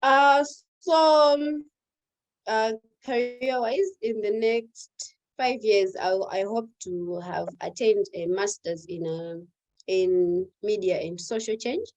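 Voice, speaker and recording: A young adult woman from Malawi, whose first language is Chichewa or another Malawian language, speaks English as a guest activist in an online panel conversation. She explains earnestly using examples, in a slow, mid-range voice with a darkish tone, on a rough recording.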